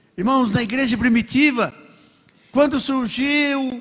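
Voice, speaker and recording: A man speaks at an extremely high pitch with ordinary pitch variation. His pace is fairly slow. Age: old. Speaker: pastor. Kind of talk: sermon. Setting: church.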